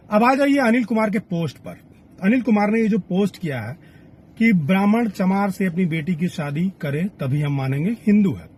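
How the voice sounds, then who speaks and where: A man's voice: high voice, darkish tone, slight background noise. A man delivering spoken news commentary, argumentative and fond of rhetorical questions. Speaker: reporter and commentator.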